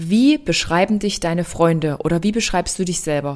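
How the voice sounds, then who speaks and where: A woman with an unremarkable speaking voice talks at a fairly quick pace with lively intonation. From Dresden, Saxony. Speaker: podcast host, former police officer. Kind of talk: casual interview.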